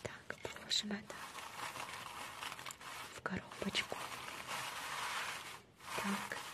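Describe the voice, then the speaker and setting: Amid loud background noise, a woman speaks with long, frequent pauses. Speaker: ASMR creator. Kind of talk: ASMR role play, post office clerk. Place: home room.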